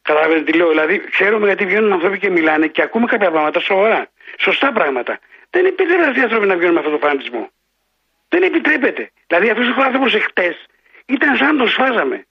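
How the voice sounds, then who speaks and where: Insistent man calling in, husky and high. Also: very animated. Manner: insistent, repeats himself for emphasis. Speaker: caller. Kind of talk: call-in radio complaint. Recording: muffled phone line.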